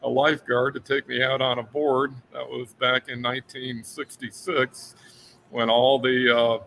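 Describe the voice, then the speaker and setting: Older man with a gravelly, bright voice. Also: medium pitch, level tone, slight background noise. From Florida. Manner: earnest, unhurried, with frequent fillers. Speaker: guest author. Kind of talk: casual interview chat.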